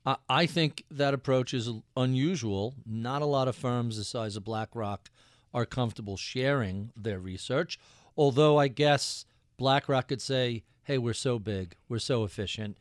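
Host, man in his fifties: mid-pitched, chatty, curious, dry close recording. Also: a little slow, dry recording. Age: 50s. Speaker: podcast host. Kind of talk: interview conversation.

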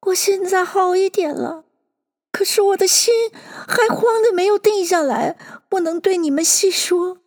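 A woman's voice: very high-pitched, moderate pace, darkish tone, pitched above the performer's own voice. A woman voicing a small, shaken male lizard telling how he was flung up a chimney, with a quavering voice. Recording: long hall reverb.

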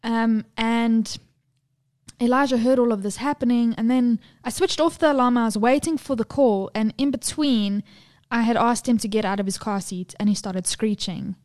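Frank, candid mom chatting on a podcast. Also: female voice, a little high, steady tone, moderate pace, darkish tone. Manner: candid, swearing, acts out quotes. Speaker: podcast co-host. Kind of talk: casual chat.

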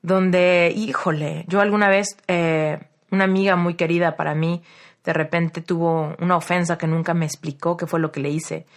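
Mexican lady coach doing her podcast, lowish voice, just talking through stories, says things over and over. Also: fairly even intonation, moderate pace. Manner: storytelling, repeats phrases for emphasis. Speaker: podcast host and life coach. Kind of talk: casual reflective podcast monologue.

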